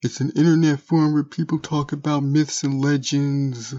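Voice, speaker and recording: A man's voice: fairly high pitch, little pitch movement, moderate pace, warm tone, natural voice. A man playing a sarcastic, self-important snob in an audio drama, speaking pompously on a slightly muffled recording. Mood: smug.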